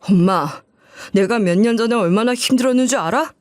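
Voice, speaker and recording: An angry, loyal husband in a dramatized life story, laying into his mother with heated scolding, voiced by a woman narrator. The voice sits somewhat high, close and dry. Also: a little fast, dry recording, natural voice. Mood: furious.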